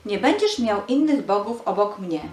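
A woman's voice: mid-range voice, animated, moderate pace, a little mellow, reverberant, soft background music. A woman giving a scripted narration of a Bible story for children.

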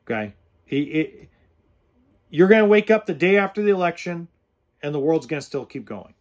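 A man in his forties hosts his podcast in a blunt, earnest, plain-spoken manner. His voice sits a little high for a man, and he speaks close into a studio mic in an indoor room. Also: animated, normal speed, darkish tone. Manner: blunt, earnest straight talk with hand gestures. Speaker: podcast host. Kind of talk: casual direct-to-camera talk. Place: indoors in an RV or home kitchen. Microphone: studio mic with pop filter close in front.

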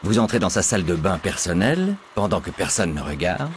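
An actor playing a middle-aged male teacher who gives an exam in a video game, with a dry, matter-of-fact delivery and deadpan humor. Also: low-pitched, a little fast, a little hiss or hum. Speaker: exam proctor. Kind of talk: game character dialogue.

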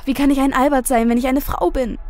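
A woman's voice: high-pitched, steady tone, fast talker, darkish tone, lightly acted. A woman playing a blunt, troubled young female soldier in an audio drama. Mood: confused, earnest. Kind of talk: German audio drama acting.

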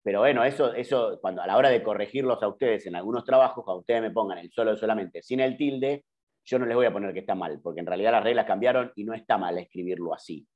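A middle-aged Argentine man teaching an online class, his voice fairly low-pitched. He explains rules patiently, fills pauses with "eh" and corrects himself as he goes. The call audio sounds dull and lo-fi. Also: darkish tone. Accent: Argentine Spanish. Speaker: journalism teacher. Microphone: computer mic on video call.

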